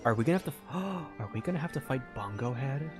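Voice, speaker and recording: A man streaming a game, reacting excitedly and reading game text aloud in casual commentary. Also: medium pitch, fast talker. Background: faint game music.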